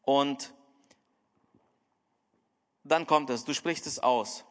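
Reverberant pastor preaching a story sermon. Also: male voice, extremely slow. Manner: storytelling, speaks straight to the listener; wide swings in loudness and pitch. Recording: long hall reverb.

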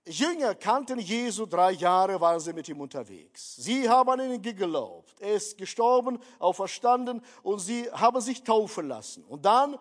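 A man preaching a sermon, emphatic, repeatedly calling his listeners dear friends. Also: high voice. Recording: long hall reverb.

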